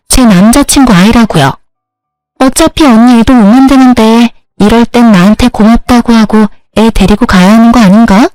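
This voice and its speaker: A spoiled, rude young woman, played by a female reader, sneers in a raised, needling voice. It is storybook narration on a dry track with soft music behind it. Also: a little high, dry recording, lightly acted, poor audio. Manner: snippy, mocking.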